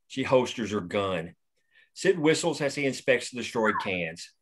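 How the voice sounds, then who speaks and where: A man reading the action lines of a screenplay aloud at a table read, steady and plain. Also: medium pitch, unhurried, breathy edge. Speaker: narrator reading stage directions.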